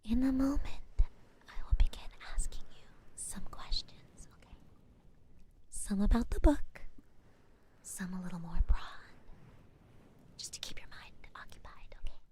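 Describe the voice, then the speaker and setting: A woman playing a gentle, reassuring witch healer in a soft-spoken ASMR roleplay, breathy and soothing, close to the microphone. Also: mid-range voice, lively intonation, close to an everyday voice. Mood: soothing, lightly playful. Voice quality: breathy, mostly whispered. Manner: slow, soothing, hesitant, repeats reassurances.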